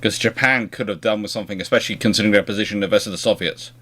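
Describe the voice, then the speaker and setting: A man's voice: on the low side, steady tone, rapid-fire, a bit bright. A man hosting a casual question-and-answer chat, thinking aloud in a conversational, wry way. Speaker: host of naval history question show.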